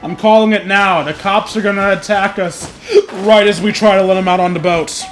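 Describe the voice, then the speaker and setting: A man's voice: sits high, steady tone, normal speed, a little hiss or hum. A man giving casual, playful let's play commentary, talking back to the game. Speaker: gamer commentating on a playthrough. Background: game music.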